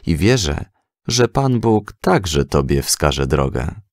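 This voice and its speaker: A man voicing a calm, devout father who patiently and assuredly teaches his son in a children's story. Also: a bass voice, slow, no room sound, clean studio sound, exaggerated voice. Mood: earnest, instructive. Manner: patient, didactic.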